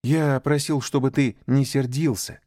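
Man doing a jungle boy, raised pitched-up voice, pleading, excitable, storybook. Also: a little slow, dry recording, clean studio sound, lightly acted. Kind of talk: audiobook character voice.

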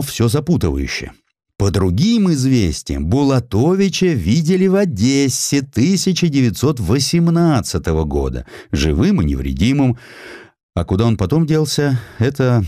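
A man with a low voice narrates a literary audiobook. His delivery is highly animated, with rhetorical turns and emphatic pauses. The sound is dry and close. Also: no room sound. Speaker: audiobook narrator, reading in the author's first person. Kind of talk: expressive dramatized literary narration.

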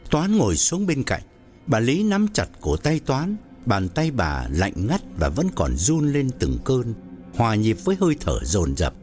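Expressive male storyteller. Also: mid-range voice, unhurried, soft background music. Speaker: narrator. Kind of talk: audio story narration.

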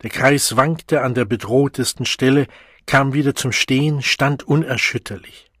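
A man narrating an audiobook in a measured, dramatic way, recorded close on a studio mic. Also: mid-range voice, a bit bright, husky, no room sound.

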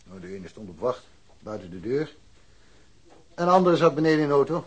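Offhand police detective, slightly husky, blunt, dismissive, radio crime drama. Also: male voice, medium pitch, very animated, brisk. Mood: self-assured. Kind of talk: Dutch radio drama acting.

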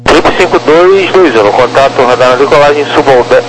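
A man's voice: medium pitch, fairly quick. A Brazilian man working as an air traffic controller, giving clipped, police-radio-style instructions over a two-way radio. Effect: two-way radio transmission. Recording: noisy radio channel with hum.

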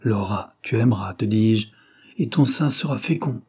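A man's voice: on the low side, moderate pace, dark tone, breathy edge. A man voicing an old gypsy seer in an audiobook, making solemn prophecies. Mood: prophetic. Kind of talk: audiobook character reading.

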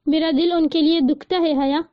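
A woman voicing a homesick, tearful young woman student who speaks softly and sorrowfully. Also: high-pitched, steady tone, no room sound, highs cut off, close to an everyday voice.

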